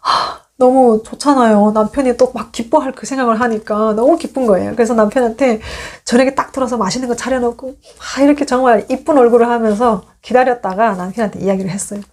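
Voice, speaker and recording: A woman's voice: fairly high pitch, fast, few pauses. A woman in her thirties, originally from North Korea, telling a personal story in a casual monologue and acting out the dialogue as she goes. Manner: animated, acts out quoted dialogue. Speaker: YouTube host sharing her story.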